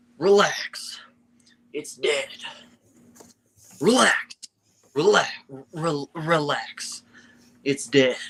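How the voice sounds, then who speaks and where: A man puts on a gruff, high-pitched character voice and delivers it at a very slow pace. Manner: gruff, clipped.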